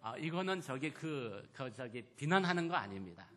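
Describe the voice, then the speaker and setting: Pastor guy preaching in church, bright voice, goes big then drops soft telling a story. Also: mid-range voice, very animated, normal speed, a little hiss or hum. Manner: swings between loud declarations and quiet personal storytelling. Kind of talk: sermon. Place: church sanctuary.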